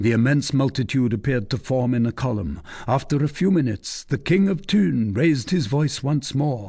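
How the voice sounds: Natural reading voice.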